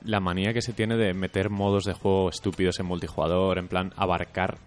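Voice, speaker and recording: A man from chats about games on a podcast. His voice is deep, and he chimes in often with agreement and short opinions. Soft music sits faintly behind him. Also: level tone, brisk. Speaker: podcast co-host. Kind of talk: casual chat about video games.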